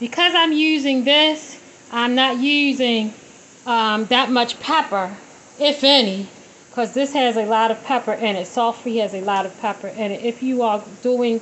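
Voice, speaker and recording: A woman speaks at a fairly slow pace with ordinary pitch variation. Light background noise sits under her voice. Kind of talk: cooking tutorial. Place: kitchen.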